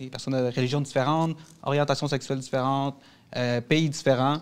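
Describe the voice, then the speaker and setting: The speaker is a man. He talks with monotone, flat intonation. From Venezuela. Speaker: DJ; guest. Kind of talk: casual interview. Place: studio.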